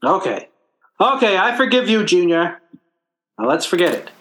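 A man's voice: high-pitched, big pitch swings, moderate pace, noisy background. A man as blustering sitcom dad, wildly swooping delivery. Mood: indignant. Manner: blustery, stammering, folksy ungrammatical talk. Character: blustering, hapless working-class family father in radio comedy. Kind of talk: old-time radio sitcom acting.

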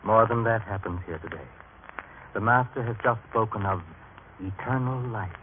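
Radio drama elder: male actor as a knowing, confiding older man, somewhat low, on a tinny recording. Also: slight background noise, lightly acted. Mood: grave, confiding. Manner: hushed, measured, confiding. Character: older, knowing man hushing others in temple. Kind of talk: vintage radio drama acting.

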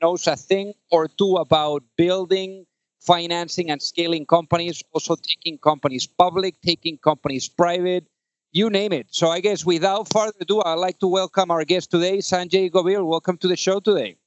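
A man's voice: high voice, steady tone, moderate pace, lo-fi sound. A man hosting a business podcast, talking in a conversational way with fillers and repeated words. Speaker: podcast host. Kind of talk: casual interview.

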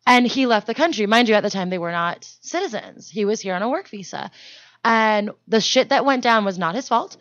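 A woman's voice: a little high, no echo, dull audio. Woman, podcast co-host, casual comedic chat, swears a lot, dry studio sound. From Denmark. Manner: fast, profane and animated storytelling.

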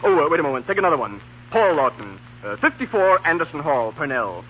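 A man playing a stuffy middle-aged uncle dictating haltingly and pompously in a 1930s radio comedy. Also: fairly high pitch, sing-song. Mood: stuffy, disapproving. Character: stuffy, disapproving rich uncle dictating telegrams. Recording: tinny, noisy 1930s radio recording.

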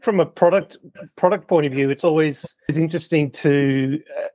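A man's voice: fairly high pitch, moderate pace, a little mellow, no room sound. A man hosting a business podcast, introducing guests and asking easygoing questions. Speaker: podcast host. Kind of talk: podcast host interview.

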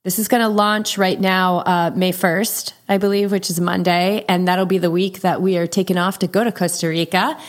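A woman in her fifties hosting a casual podcast interview, effusive and quick to laugh. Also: lowish voice, steady tone. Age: 50s. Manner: warm, effusive, laughs easily. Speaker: podcast host.

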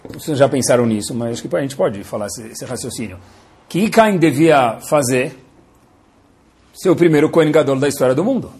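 A man's voice: mid-range voice, animated, fairly quick, a little mellow, husky. A man, a rabbi giving a playful, dramatizing Torah lesson to students and sprinkling in Hebrew terms.

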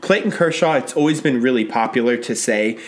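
A man in his thirties chatting casually as co-host, animated and talkative, jumping from TV to baseball. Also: mid-range voice. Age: 30s. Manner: animated, talkative, quick bursts of excitement. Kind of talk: casual chat and sports talk.

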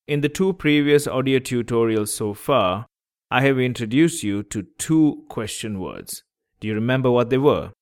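A man teaching a language lesson on a podcast, patiently repeating examples and breaking words into syllables. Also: medium pitch.

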